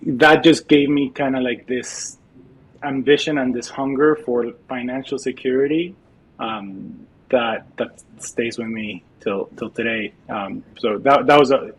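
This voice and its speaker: A man's voice: mid-range voice, measured pace, slightly rough, low-quality recording. A middle-aged man from El Salvador, a podcast guest telling his life story in a reflective way, with many restarts. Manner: reflective, frequent restarts and fillers. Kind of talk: podcast interview.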